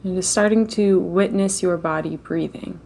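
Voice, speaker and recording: A woman leading a slow guided meditation in a gentle, unhurried way, with long pauses between phrases. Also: lowish voice, steady tone.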